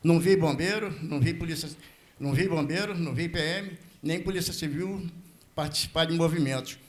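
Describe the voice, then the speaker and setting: A man in his seventies with a Brazilian accent, giving an impromptu speech at a public hearing in a formal, halting manner. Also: on the high side. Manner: formal deferential address, halting with repetitions. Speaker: veteran prison officer speaking as a member of the public.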